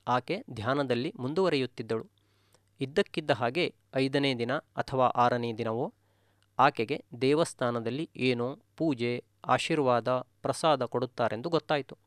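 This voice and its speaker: Male meditation teacher, calm storyteller, mid pitch, dry close recording. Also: unhurried, no room sound. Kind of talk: dharma talk storytelling.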